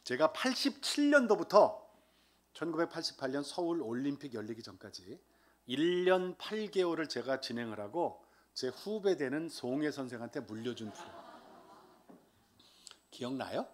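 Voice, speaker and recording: A man's voice: medium pitch, normal speed. A man in his sixties from Seoul giving a humorous church testimony, telling the story with life and acting out the voices of others. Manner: lively storyteller, acts out quoted voices. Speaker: lay deacon giving testimony. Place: church service.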